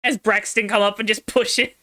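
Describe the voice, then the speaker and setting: A woman's voice: medium pitch, fairly even intonation, fairly quick, bright, forceful tone, no echo. A young adult woman co-hosting a podcast, chatting casually in a chatty, self-deprecating, joking way. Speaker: podcast co-host. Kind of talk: casual chat.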